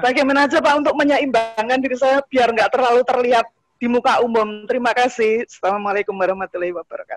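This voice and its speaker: A woman speaks very fast in a high voice with a strong Javanese accent and ordinary pitch variation, with music playing in the background. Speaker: seminar participant. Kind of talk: audience question. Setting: online seminar.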